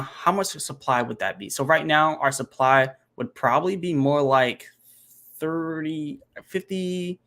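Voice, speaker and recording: A man's voice: mid-range voice, gravelly. Rambling male crypto livestream host. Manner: rambling, thinks aloud while doing math, many fillers. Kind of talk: casual livestream Q&A. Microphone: home computer setup, single monitor.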